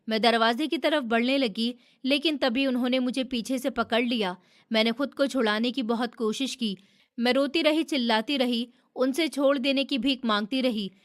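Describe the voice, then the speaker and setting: Woman narrator with a slightly high voice, steady and somber. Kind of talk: first-person scripted story narration.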